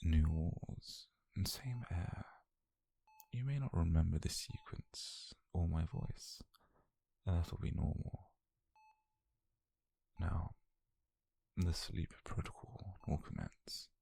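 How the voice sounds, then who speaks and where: A British man playing a detached, clinical scientist in a whispered ASMR roleplay, measured and softly controlling, murmuring notes on a captive subject. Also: lively intonation, heavily acted. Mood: hushed, controlling. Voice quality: breathy, gravelly low murmur.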